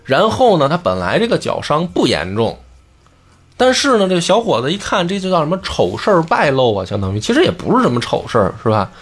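A man telling a folk tale in a chatty, colloquial way, full of lively asides. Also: fairly high pitch, fairly quick, slightly rough. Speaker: storyteller. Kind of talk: casual storytelling.

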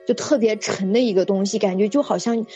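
A woman's voice: mid-range voice, a little fast, mellow, faint music behind. A woman, a community health worker, earnestly telling a vivid, repetitive personal story. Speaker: guest telling a ghost story. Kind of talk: casual spoken storytelling.

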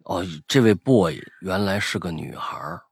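A man's voice: deep voice, lively intonation, moderate pace, vocal fry, breathy edge, no room sound, studio quality. A man hosting a podcast, chatting casually and reading out listener stories, rambling with many restarts. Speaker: podcast host.

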